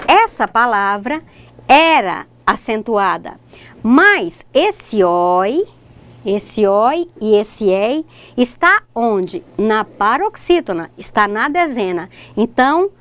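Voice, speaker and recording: In a recorded online class, a female teacher from Brazil speaks in a fairly high voice whose pitch moves a great deal. Talking straight to her students, she points to examples and explains them one step at a time. She frequently checks whether everyone is keeping up.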